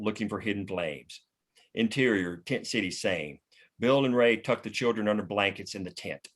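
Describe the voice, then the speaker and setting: A man hosting a script table read, reading stage directions and chatting casually. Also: lowish voice. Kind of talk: script narration and casual discussion.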